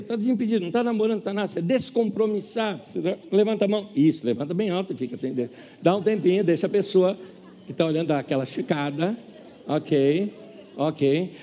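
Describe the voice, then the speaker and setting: A man's voice: high-pitched, long reverb tail. A man preaching a sermon, telling stories and acting out the voices of the people in them. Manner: animated, acts out quoted voices. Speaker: pastor. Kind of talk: sermon with storytelling.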